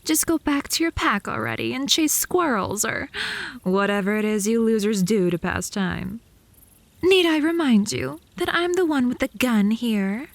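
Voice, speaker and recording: A woman's voice: a little high, very animated, moderate pace, gravelly. A woman playing an indignant, lovesick young female vampire, haughty but easily flustered, in a comedic ASMR roleplay. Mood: defiant.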